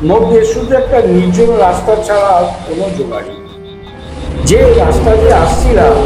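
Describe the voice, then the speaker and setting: A man reading a scripted horror story as its narrator. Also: sits high. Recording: roomy echo under loud music. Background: background music.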